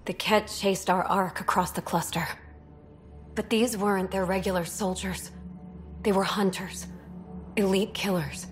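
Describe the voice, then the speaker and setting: An actress playing a young alien ship officer who survived an attack, speaking quietly and haltingly, with soft game music behind. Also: female voice, mid-range voice, fairly even intonation, lightly acted. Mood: haunted. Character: young asari refugee officer, shaken and grieving. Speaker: junior ark crew survivor.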